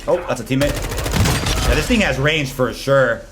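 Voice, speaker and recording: A man's voice: mid-range voice, moderate pace, heavy background noise. A man hosting a gaming video with casual, slangy gameplay commentary. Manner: slangy, informal.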